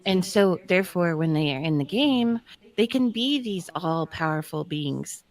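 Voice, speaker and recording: A woman with a somewhat low voice speaks as a podcast co-host. Her delivery is casual and explanatory, laying out a point in measured phrases. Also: expressive. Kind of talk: casual discussion.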